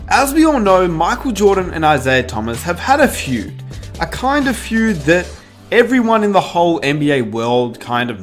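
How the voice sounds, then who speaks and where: Lively woman narrating for a channel. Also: deep voice. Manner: lively storytelling, rising emphasis on questions. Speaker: YouTube narrator. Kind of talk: scripted narration. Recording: faint music underneath.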